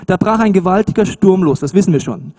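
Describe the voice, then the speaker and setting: A man preaching a sermon in an animated, emphatic, colloquial way, with swings between loud emphasis and hushed asides. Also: high-pitched, fast talker.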